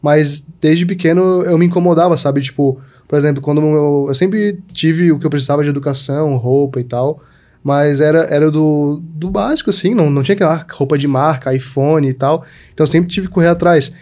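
A man's voice: fairly high pitch, a little fast, a little mellow. A young man from southern Brazil chatting casually as a podcast guest, full of fillers like "tipo" and "sabe". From Santa Catarina, Brazil. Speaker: podcast guest, digital marketer. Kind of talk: casual chat.

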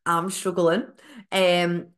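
A young woman chats through a solo fitness podcast, her voice nasal and bunged up from a cold. She sits a little low in pitch and keeps things friendly and encouraging, with plenty of ums and likes along the way. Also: level tone, extremely slow. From United Kingdom. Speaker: podcast host, fitness coach. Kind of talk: casual solo podcast talk.

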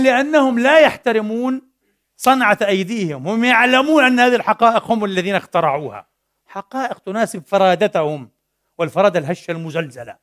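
A middle-aged man preaching a sermon in a mosque, telling a story animatedly and slipping between formal and colloquial speech. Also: high voice. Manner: animated storytelling, mixing classical and colloquial Arabic. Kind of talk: Friday sermon.

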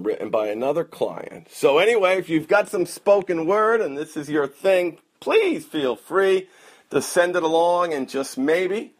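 A man talking casually and earnestly to his listeners as a coach and host, with an encouraging manner. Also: a little high. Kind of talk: casual direct address to listeners.

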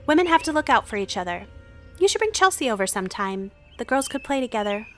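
A woman's voice: fairly high pitch, big pitch swings, quick pace, a bit bright, soft background music. A woman playing a self-possessed, civic-minded young girl in a tabletop audio drama, with a prim and precise way of talking. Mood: curious.

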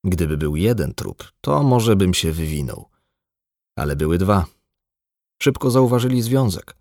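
A man voicing a blunt, embittered, drunk male doctor in an audiobook, gruff and lecturing. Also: low-pitched, big pitch swings, unhurried, darkish tone, dry recording, studio quality, full character voice. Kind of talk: audiobook dialogue.

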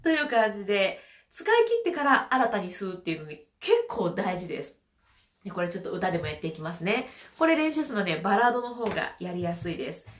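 A woman's voice: mid-range voice, sing-song, fast talker, reverberant. A woman with a stuffy nose from hay fever, leading a casual voice lesson, chatty and laughing often. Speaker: voice trainer.

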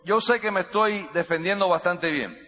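Bright high-voiced man, echoey hall. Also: moderate pace. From United States. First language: English. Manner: repeats key phrases, vivid gestures, builds suspense. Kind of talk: dramatic storytelling speech.

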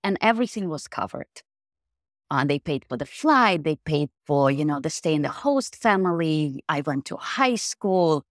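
Ukrainian-accented woman, really low voice, dry close sound, thoughtful, lots of you knows. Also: animated, moderate pace, no room sound. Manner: thoughtful, with many "you know" fillers. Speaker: podcast guest, mindfulness coach. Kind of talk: casual interview talk.

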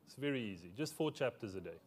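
A man's voice: mid-range voice, lively intonation, fast. Afrikaans-speaking man preaching a sermon. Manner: conversational, self-deprecating humor, asks congregation questions. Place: church.

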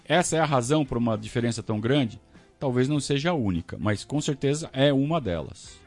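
A Brazilian man hosting a casual live stream, talking to his audience in an animated, ranting way. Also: medium pitch, brisk, faint music behind. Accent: Brazilian Portuguese. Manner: animated, talks to the audience, rants and self-questions. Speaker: podcast host reading superchats. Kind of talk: casual live-stream chat about football.

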